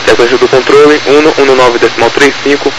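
A Brazilian man reading formulaic clearances as an air traffic controller over crackly military-style radio. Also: medium pitch, steady tone, quick pace. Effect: radio transmission. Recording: crackly, noisy aviation radio.

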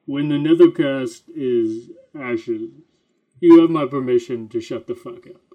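A man's voice: medium pitch, measured pace, dark tone, natural voice, low-quality recording. Man putting on a stern Batman voice. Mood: menacing. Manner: mock-stern, growled threats. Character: self-serious male caped vigilante.

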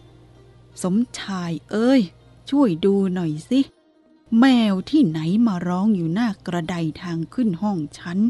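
A woman voicing a calm, blunt elderly abbot who speaks plainly and firmly. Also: mid-range voice, soft background music. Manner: plain-spoken, firm, unhurried.

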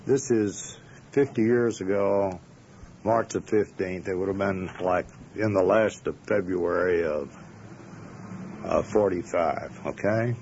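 A man's voice: low-pitched, slow pace, vocal fry, a little mellow. A man speaking candidly and insistently in a casual interview. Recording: dull recording with faint background noise.

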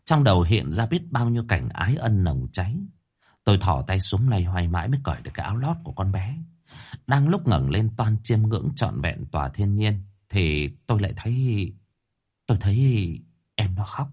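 A man reading a first-person story aloud with expressive, dramatic delivery. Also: on the low side, normal speed, breathy edge.

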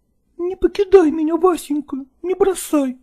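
A man's voice: very high voice, moderate pace, darkish tone, voice pushed up. A man reading aloud, voicing a young actress who pleads tearfully and passionately with her lover. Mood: pleading.

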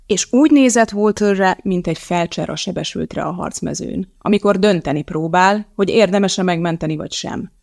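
An audiobook narrator reading a novel in an even, measured storytelling manner. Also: medium pitch, gravelly, dry recording, studio quality. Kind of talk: scripted narration.

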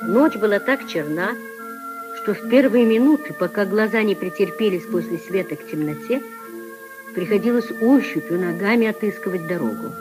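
A woman narrating a classic story in measured, lyrical phrasing. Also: mid-range voice, expressive, poor audio. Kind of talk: scripted literary narration. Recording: old radio recording with music.

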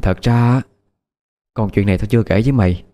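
A man voicing a stubborn, soft-hearted young woman, speaking earnestly in an audio ghost story. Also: fairly low pitch, fairly quick, lightly acted. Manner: earnest, pleading, sometimes hushed.

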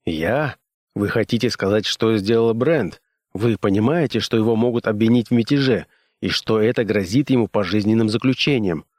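A man's voice: lowish voice, moderate pace, a little mellow, no room sound, studio quality, natural voice. A male audiobook reader voicing a stubborn starship captain in a blunt, nearly plain voice. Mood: scornful.

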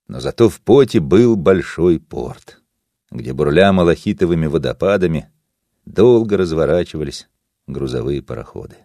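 A man reading a memoir audiobook in a measured, expressive manner. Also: rumbling low, no echo, studio quality. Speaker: audiobook reader. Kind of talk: scripted literary narration.

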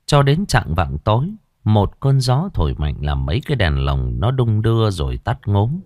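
A man narrating a ghost story in a measured, suspenseful way. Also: fairly low pitch, very animated, darkish tone, dry recording.

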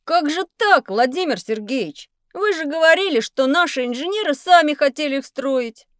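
A woman's voice: high-pitched, expressive, normal speed, no room sound. A woman voicing a curious young schoolboy who asks questions and eagerly explains what he knows, in a studio children's audiobook. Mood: curious, indignant. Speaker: child character asking questions. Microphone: studio microphone.

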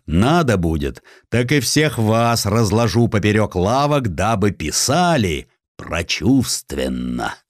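A pompous provincial governor in a radio drama, acted out by a male narrator, speaks in a low voice with sweeping intonation. He is self-important and blustering, stretching his words out as he declaims. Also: big pitch swings, slow pace, no echo, studio quality. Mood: pompous, menacing.

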